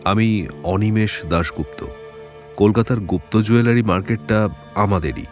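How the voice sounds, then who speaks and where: A man's voice: lowish voice, moderate pace, a little mellow, lightly acted. An actor playing an anxious middle-aged jeweller who fears he will be murdered, talking in a hesitant, worried way with faint music behind. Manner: hesitant, worried, explaining at length. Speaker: client. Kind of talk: Bengali audio drama acting.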